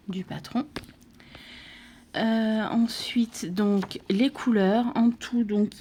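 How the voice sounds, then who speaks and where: A woman's voice: fairly high pitch, dark tone, a little hiss or hum. A woman from France narrating an unboxing of cross-stitch kits in a casual, hesitant way, with many fillers and restarts. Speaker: craft vlogger.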